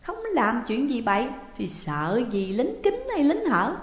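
Woman doing a defiant headstrong girl, loud, roomy reverb. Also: fairly high pitch, wildly swooping pitch, unhurried, voice pushed up. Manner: defiant, challenging.

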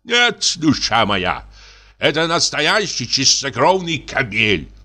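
A man's voice: slow, exaggerated voice. A man reading a story aloud, voicing a boastful middle-aged army lieutenant who wheedles and blusters as he pushes a sale. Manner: wheedling, blustering, swinging high and excited.

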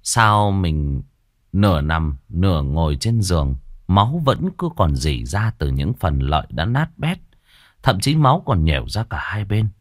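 Low-voiced man reading a horror story. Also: a little slow, dry recording, studio quality. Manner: dramatic, expressive reading. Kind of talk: scripted horror story narration.

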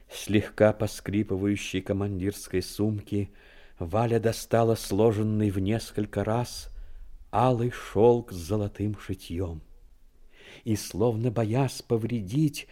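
A man narrating a scripted dramatic story in a measured, expressive way. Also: fairly low pitch.

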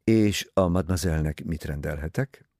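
A man's voice: low-pitched, darkish tone, no room sound, studio quality, lightly acted. A man voicing a courteous, gallant older detective who speaks politely and formally.

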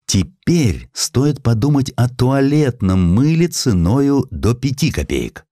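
A man voicing an earnest factory owner giving instructions in a measured, businesslike way. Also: medium pitch, sing-song, dark tone, no echo, studio quality, voice pushed up.

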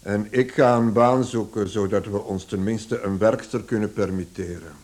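A man acting a middle-aged, authoritative father in a radio play, speaking deliberately and formally. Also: fairly low pitch, steady tone, noisy background, lightly acted. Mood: stern, resigned. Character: authoritative bankrupt father, measured head of household.

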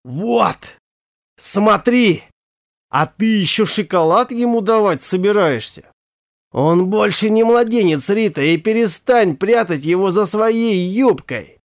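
A man playing a stern, scornful father who lectures coldly and shouts at his wife, in a storybook reading. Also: mid-range voice, normal speed, dry recording, clean studio sound, lightly acted. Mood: shouting. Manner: cold and sarcastic, bursting into shouts.

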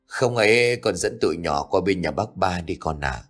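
Man playing a sweet older auntie, soothing and caring, pitch moves a lot. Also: lively intonation, moderate pace, faint music behind, full character voice. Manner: gentle, soothing, coaxing. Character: kind older village aunt, caring and motherly.

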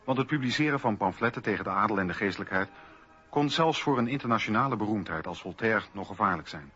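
A male narrator with a fairly low but bright, crisp-edged tone. He reads scripted radio drama narration in a measured way. The sound is slightly dull and lo-fi, with faint music. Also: animated. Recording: dull lo-fi old radio recording.

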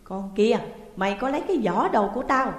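A woman voicing a shrill, domineering middle-aged woman who screeches accusations, with a roomy echo and long reverb. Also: very animated, moderate pace, lightly acted. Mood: shrill scolding.

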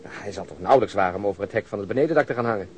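A man's voice: lowish voice, animated, racing, slight background noise. A man acting a commanding, probing senior policeman in a Dutch radio drama. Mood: decisive. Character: commanding senior policeman planning a rooftop operation.

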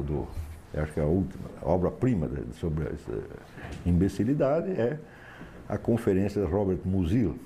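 Sardonic man lecturing, deep and lively. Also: a little hiss or hum. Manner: emphatic, sardonic, asks "tá certo?" for assent. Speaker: philosophy lecturer. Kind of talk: lecture to a class.

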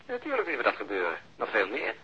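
An actor playing an exasperated, sardonic police officer in a radio drama, with a husky voice and dry, deliberate delivery. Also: male voice, lowish voice, huge pitch swings, slight background noise. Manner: dry, deliberate, ironic storytelling. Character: exasperated, sardonic male police officer recounting a botched stakeout. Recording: dull lo-fi old radio recording.

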